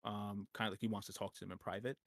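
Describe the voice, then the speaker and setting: A man's voice: lowish voice, level tone, rapid-fire, vocal fry. A man narrating as game master of a tabletop game, rambling with lots of fillers and frequent laughter.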